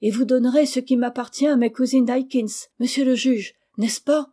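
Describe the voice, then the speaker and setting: Storybook orphan boy, impulsive and pleading, read by a woman, mellow tone. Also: sits high, fairly even intonation, normal speed. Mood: eager. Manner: eager, pleading.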